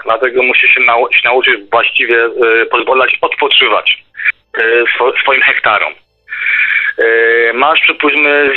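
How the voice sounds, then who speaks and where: A man in casual, opinionated discussion over a narrow phone line, insistently explaining with examples and stumbling over repeated words. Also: mid-range voice. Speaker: discussion participant on a radio show. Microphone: phone or internet call.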